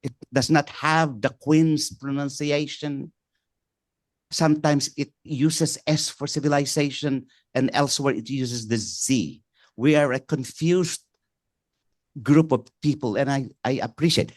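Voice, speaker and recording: A man from the Philippines with a Filipino accent, whose first language is Ilocano, moderating a conference panel and talking haltingly with many fillers and restarts. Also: mid-range voice, no echo, studio quality.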